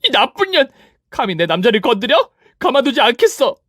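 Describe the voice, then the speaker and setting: A man's voice: extremely high pitch, expressive, a little fast, dry recording, studio quality, voice pushed up. A man voicing a desperate, clingy young woman who pleads and shrieks. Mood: shrieking.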